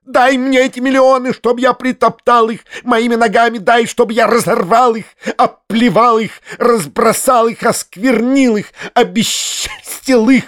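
A man's voice: very animated, slow, dry recording, studio quality, exaggerated voice. Man doing Foma, a shrieking pompous hypocrite. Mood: shrieking indignation. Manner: shrill squealing outbursts; affectedly weak, self-righteous. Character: pompous hypocritical middle-aged male sponger.

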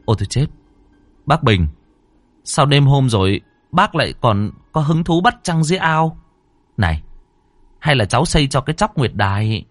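A man's voice: medium pitch, big pitch swings, moderate pace, pauses often, no room sound, pitched above the performer's own voice. A man voicing a sly young son-in-law who mocks with mock concern. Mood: teasing.

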